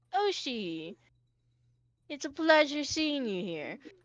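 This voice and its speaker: A woman puts on a high-pitched character voice with very wide pitch swings. She speaks at a fairly slow pace against a quiet background. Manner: courteous.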